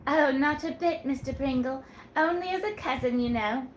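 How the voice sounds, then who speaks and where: A woman's voice: normal speed, slight background noise, natural voice. A woman doing a coy, sing-song young barmaid. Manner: demure, teasing, high and sing-song. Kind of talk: read-aloud storytelling. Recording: roomy echo.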